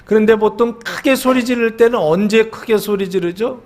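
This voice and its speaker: A middle-aged male pastor preaching a sermon, asking the congregation questions and answering them himself, slowing down to stress words and sometimes shouting. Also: high voice. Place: church sanctuary.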